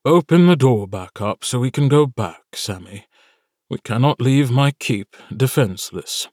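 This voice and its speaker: A man voicing a towering, stern male demon warrior with a deep, gruff, commanding voice. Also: lively intonation, unhurried, darkish tone, no echo, clean studio sound.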